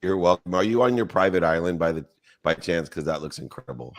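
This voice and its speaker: Super deep voiced guy hosting, rambly and chill, lots of uh's. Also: quick pace. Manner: relaxed, rambling, many fillers. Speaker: host. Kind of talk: casual online chat show.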